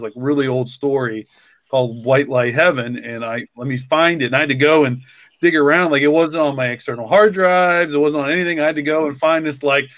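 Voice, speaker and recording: A man's voice: on the high side, a bit bright, no echo. Rambling man chatting casually, dry recording. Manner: rambling, frequent "like" and "you know". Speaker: podcast co-creator and story author. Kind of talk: casual reflective conversation.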